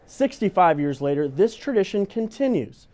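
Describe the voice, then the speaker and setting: Male local newsreader, high pitch, mellow tone, reading scripted items. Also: sing-song, moderate pace. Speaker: local news presenter. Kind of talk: scripted news narration.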